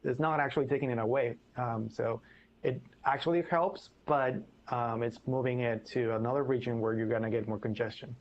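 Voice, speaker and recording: A man's voice: medium pitch, fairly even intonation, fairly quick. A man guest on a live panel, speaking hesitantly and restarting his sentences. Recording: lo-fi remote call with faint noise.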